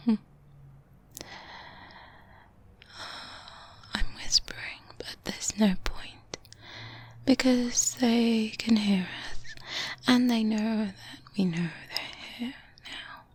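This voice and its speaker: A woman playing a seasoned vampire hunter, a calm and protective mentor, in a soft-spoken ASMR roleplay, hushed and breathy, close to the microphone. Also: a little high. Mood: hushed, wary. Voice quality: breathy, whispery. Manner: slow, deliberate, hushed, with long pauses. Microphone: close-up binaural microphone.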